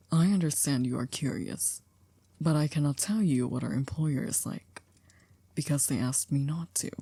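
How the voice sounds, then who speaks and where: A woman playing a stern, dry chief maid in an ASMR roleplay, speaking in a formal, measured, reproachful way. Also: low voice, warm tone, husky, no room sound, heavily acted.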